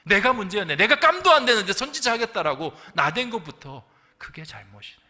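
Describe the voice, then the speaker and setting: A man preaching a sermon as pastor, telling a story with lively, acted-out quotes. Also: high voice, a little fast. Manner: animated storytelling, acting out quoted voices. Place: church sanctuary. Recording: church hall reverb.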